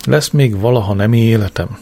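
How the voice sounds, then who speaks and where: A man's voice: fairly low pitch, darkish tone. A man reading a diary-style audiobook in a dry, matter-of-fact way. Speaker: audiobook narrator. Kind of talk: scripted diary narration.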